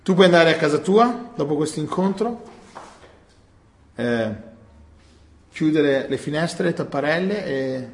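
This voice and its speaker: A man preaching a sermon, moving from loud emphatic lines to quiet low asides. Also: expressive, measured pace, pauses often. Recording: echoey room.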